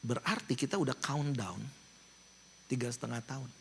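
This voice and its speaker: A man in his sixties from Indonesia, a pastor, telling a story in an animated sermon and mixing in English phrases. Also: mid-range voice, moderate pace, gravelly, a little hiss or hum. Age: 60s.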